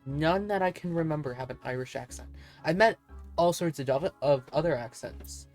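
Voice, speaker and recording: A woman's voice: sits low, normal speed, a little mellow. A woman streamer chatting casually while playing a game, rambling and laughing often. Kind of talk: casual chat while gaming. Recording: faint music behind.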